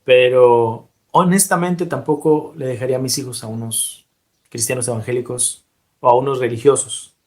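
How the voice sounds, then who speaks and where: A man, speaking as a Christian teacher. He retells a parable in an animated, sermon-like way and slows down on key points. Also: mid-range voice. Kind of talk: sermon-style storytelling.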